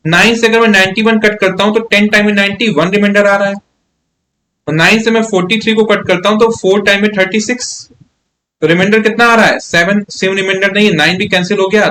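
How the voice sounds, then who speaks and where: A man's voice: high-pitched, steady tone, brisk, pushed and bright, slight background noise. A man teaching a live online maths class, coaxing his students along and often checking if they follow. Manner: chatty, coaxing, keeps asking students "yes or no?".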